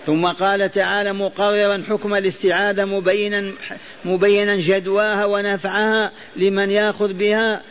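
A man's voice: sits high, little pitch movement, normal speed, fairly bright tone. A man teaching and explaining Quran verses, often repeating phrases and quizzing his listeners, and chanting the verses he quotes. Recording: dull lo-fi recording.

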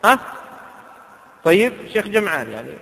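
A man giving a lively sermon full of anecdotes, slowing into a drawn-out chant when he quotes verses. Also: sits high, vocal fry, in a large hall, rough recording. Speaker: preacher.

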